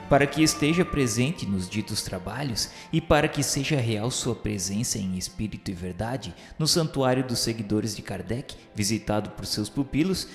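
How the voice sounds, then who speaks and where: A Brazilian man narrates a radio novel with solemn, declamatory gravity. His voice is fairly low, wrapped in long, echoing hall reverb with music underneath. The delivery is formal and reverent, like scripted literary prose read aloud. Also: vocal fry.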